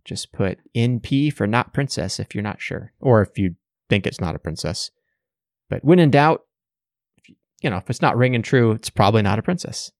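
A man's voice: lowish voice, lively intonation, normal speed, a little mellow, dry recording, clean studio sound. A man casually hosting a family guessing quiz, giving instructions and calling on players. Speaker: quiz host.

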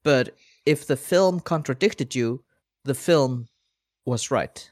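A man's voice: medium pitch, takes it slowly, dry recording, studio quality. A man co-hosting a casual podcast chat, rambling and hesitant with frequent restarts. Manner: rambling, hesitant, many fillers and restarts, laughs often.

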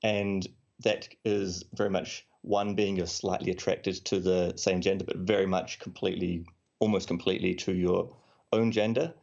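New Zealand man, lowish voice, dull lo-fi recording, dry casual podcast guest. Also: level tone, normal speed, vocal fry, a little mellow. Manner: dry, joking, explanatory. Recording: dull lo-fi audio.

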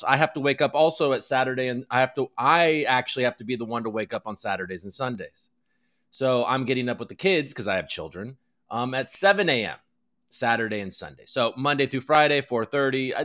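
A man with a medium-pitched, a bit bright voice hosts a crypto news livestream. He chats casually, rambling, poking fun at himself and swearing freely.

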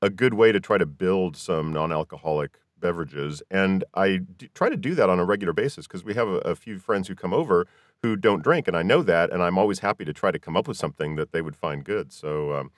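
Low-voiced, animated man hosting a podcast. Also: fairly quick, dry recording, studio quality. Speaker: podcast host. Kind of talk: casual interview chat.

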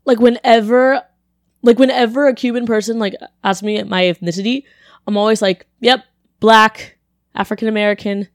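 A young woman, a college student, telling a story in casual chat, her voice deeper than usual and a bit congested, with lots of "like" and acted-out quotes. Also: moderate pace, no echo, studio quality. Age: young adult. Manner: chatty, animated, lots of "like", acts out quotes.

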